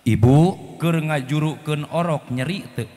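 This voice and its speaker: A man with a Sundanese accent preaching a comic sermon, swinging between chanted verses, shouted warnings and low joking asides. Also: unhurried. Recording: hall reverb, faint background noise.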